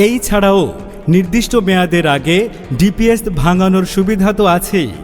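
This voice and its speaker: High-voiced man announcing over loudspeaker reverb. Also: moderate pace. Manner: loud declamatory announcing. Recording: long reverb with music bed. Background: music.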